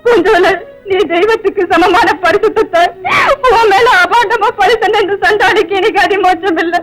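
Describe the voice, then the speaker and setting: A woman's voice: extremely high pitch, normal speed, poor audio. A weeping remorseful woman. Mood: tearful remorse. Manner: tearful, lamenting speech. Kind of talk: 1980s film acting. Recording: film soundtrack with clear music.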